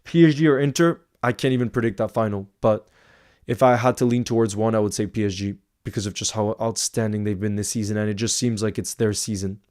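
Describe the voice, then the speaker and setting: A man's voice: lowish voice, steady tone, fast talker, darkish tone. A man with an American accent, of half French and half Icelandic origin, hosting a casual football livestream, reading viewer comments and repeating words for emphasis.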